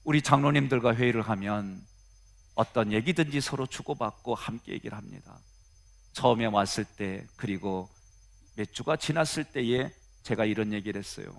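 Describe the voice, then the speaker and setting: A man's voice: lowish voice, moderate pace, gravelly. A middle-aged male pastor giving a sermon in an earnest, conversational way, building to emphatic peaks.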